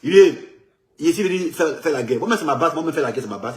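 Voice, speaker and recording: A man with an Ivorian French accent speaks quickly in a slightly raised voice. He loops back over his own phrases and keeps the talk animated and rambling. His voice comes through an echoey room. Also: fairly high pitch. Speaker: man in a circulated video clip. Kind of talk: rambling street commentary.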